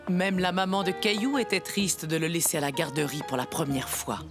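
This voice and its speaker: A woman's voice: fairly low pitch, fairly even intonation, a little fast, over music, lightly acted. A woman voicing a kindly storyteller, narrating a scripted children's cartoon story.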